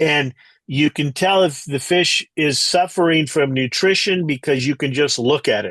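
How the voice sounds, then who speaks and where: In an unremarkable speaking voice, a man with a fairly high pitch talks at a fairly slow pace with ordinary pitch variation, the sound dry and close with no echo. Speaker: microbiologist and guest speaker. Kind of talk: Q&A answers; lecture.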